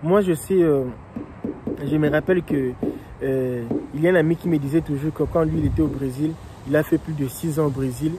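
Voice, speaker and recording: A man from Congo who vlogs about immigration, explaining slowly and repetitively with many hesitations, outdoors in a city. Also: on the high side, steady tone, noisy background. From Democratic Republic of the Congo. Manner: slow and repetitive, with frequent hesitations and restarts. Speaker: immigration vlogger and coach. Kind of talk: casual explanatory monologue.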